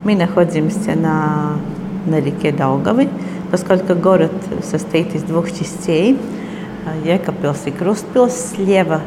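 A woman's voice: sits low, unhurried, noisy background. Woman tour guide in a reverberant hall. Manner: hesitant non-native Russian phrasing. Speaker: museum guide.

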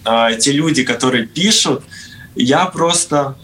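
A man's voice: mid-range voice, unhurried, fairly bright tone, a little hiss or hum, poor audio. A young man talking casually about himself as an interview guest. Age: young adult. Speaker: TikTok content creator, guest.

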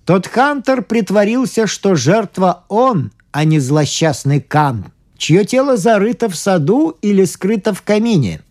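Female reader voicing proud male expert, calm lecturing tone, storybook. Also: mid-range voice, a little slow, pitched above the performer's own voice. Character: haughty, self-assured male scientist.

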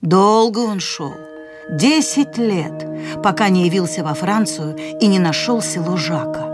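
An actress narrating a fairy tale for radio in an expressive, measured storytelling voice. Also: female voice, fairly low pitch. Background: music.

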